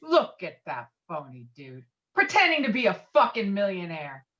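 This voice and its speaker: A woman's voice: mid-range voice, huge pitch swings, moderate pace, a bit bright, dull audio. A woman acting a stubborn, hot-tempered male war veteran in a table read, profane and combative. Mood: belligerent. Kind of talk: virtual table read of a film script. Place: remote video call.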